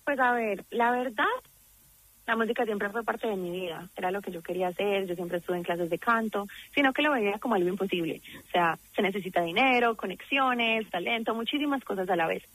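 A woman's voice: medium pitch, a little fast, fairly bright tone, poor audio. Effusive Colombian woman from Medellín. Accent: Colombian paisa. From Medellín, Colombia; grew up in the United States. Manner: earnest and effusive, frequent restarts. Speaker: singer guest. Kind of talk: promotional interview.

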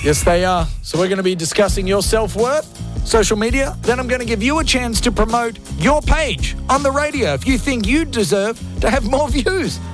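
High-pitched aussie radio guy, way too much energy, jokes at his own expense, faint music under him. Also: expressive, normal speed. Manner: hyped, jokey, self-mocking. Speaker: radio host. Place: radio studio.

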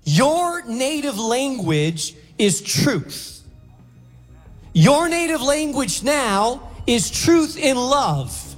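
A man from Spain preaching a sermon as a pastor, emphatic, deliberate and teacherly. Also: extremely high pitch, big pitch swings. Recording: reverberant hall, faint music.

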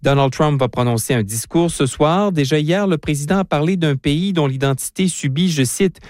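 A man with a Canadian French accent delivering a scripted correspondent's report in a steady, formal manner. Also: a little high, normal speed, dry recording, clean studio sound. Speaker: foreign correspondent.

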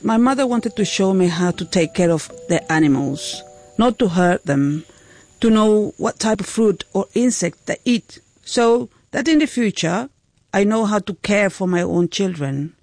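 A woman voicing a translation in the first person, in a gentle, even delivery. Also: mid-range voice, measured pace, no echo. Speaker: voice-over interpreter.

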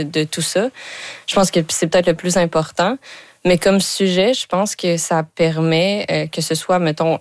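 Low-voiced Quebec French woman, eager. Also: dry recording. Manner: enthusiastic, fast, many fillers. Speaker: filmmaker guest. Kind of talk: casual interview talk.

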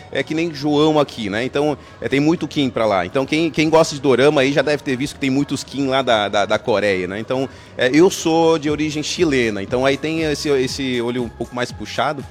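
A man from Brazil, a game store owner, chatting in an upbeat, salesy way as a guest at an outdoor festival. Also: mid-range voice. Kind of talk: casual promotional interview.

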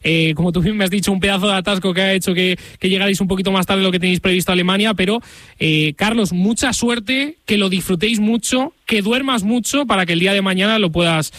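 Spanish guy hosting a live sports show, talks really fast, super effusive, dry close sound. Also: sits high, a bit bright, no room sound. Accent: Spanish (Spain). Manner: effusive, emphatic, repeats phrases for emphasis. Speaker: radio or stream host.

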